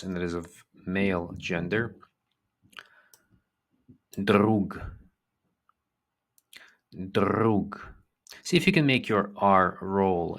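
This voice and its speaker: A man teaching a vocabulary lesson, repeating each word twice in a slow, patient way. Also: deep voice, gravelly, fairly bright tone. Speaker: language teacher.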